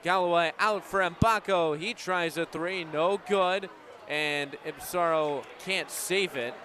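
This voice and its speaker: With crowd and game noise behind him on a live broadcast, a young adult American radio broadcaster does play-by-play for live sports. His voice is a little high and slow, with a bright, forceful tone.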